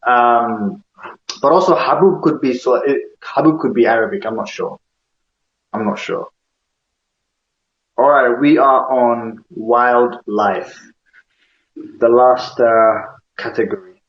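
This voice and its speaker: A Kenyan man with an East African accent hosts a casual, word-by-word language chat, comparing vocabulary with a guest by asking questions and repeating words back. His medium-pitched voice is slow, with long pauses. The recording is lo-fi and slightly dull, in an echoey room.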